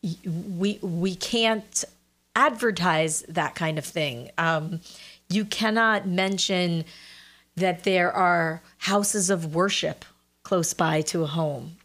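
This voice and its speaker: A middle-aged woman co-hosting a real estate show, talking in a casual, deliberate way. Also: fairly low pitch, a bit bright. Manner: slow and deliberate, chatty. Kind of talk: casual chat.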